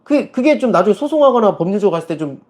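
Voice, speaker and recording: A fast-talking man with a high, mellow voice that rises and falls a lot. He chats casually on a live stream, acting out the people in his stories. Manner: animated storyteller, recounting cases with quoted dialogue. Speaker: lawyer and channel host.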